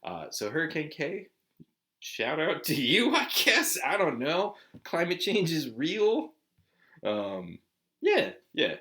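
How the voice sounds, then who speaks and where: A man's voice: fairly high pitch, wildly swooping pitch, takes it slowly, bright, forceful tone. A man in his forties from Southern California, chatting casually to camera as a vlog host, laid-back and swearing often with lots of "like" and "dude". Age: 40s.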